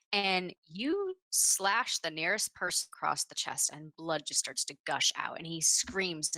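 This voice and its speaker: A woman's voice: on the low side, sharp tone, dry recording. A woman narrating a tabletop game as game master, describing the action vividly with casual fillers.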